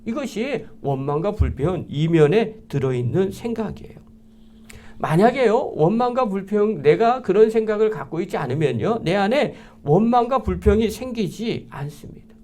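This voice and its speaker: A male pastor preaching a sermon in church, reading scripture aloud and acting out quoted lines, sometimes dropping to a hushed whisper. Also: high-pitched, a little hiss or hum.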